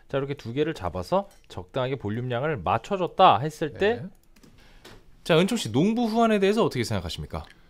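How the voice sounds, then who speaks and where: A man's fairly high voice swings very widely in pitch as he talks at a fairly quick clip. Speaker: music gear show host. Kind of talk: product review chat. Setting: studio. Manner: animated. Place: studio. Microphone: studio mic.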